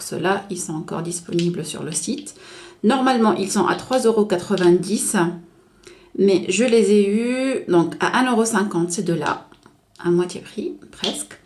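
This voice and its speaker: A woman's voice: fairly low pitch, darkish tone, slight background noise. Chatty woman reviewing nail polish. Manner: chatty, hesitant, full of filler and self-corrections; slows down to read out shade names. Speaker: beauty vlogger. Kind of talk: casual product review.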